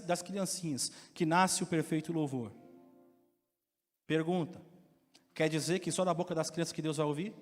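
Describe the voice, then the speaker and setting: A Brazilian man preaching a sermon as pastor, with impassioned delivery that climbs to loud, emphatic peaks. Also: a little high. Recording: reverberant hall with faint music.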